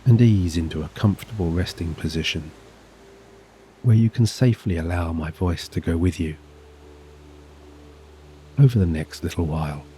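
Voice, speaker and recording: A man narrating a scripted guided sleep hypnosis in a soothing, gentle, measured voice with long pauses. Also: deep voice, a little hiss or hum. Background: soft relaxing music and gentle waves.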